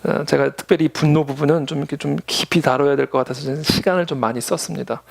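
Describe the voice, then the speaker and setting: A man's voice: a little high, steady tone, quick pace, gravelly. A man preaching a Sunday sermon as pastor, telling stories and acting out the voices of the people in them. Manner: storytelling, acts out quoted voices.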